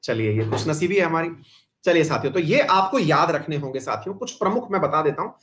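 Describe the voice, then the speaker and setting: In this online exam-prep history class, a man with a slightly high, fairly bright voice talks a little fast with lively intonation. He's chatty, quizzes his students, wanders into side remarks, and mixes English terms into his speech. There's slight background noise.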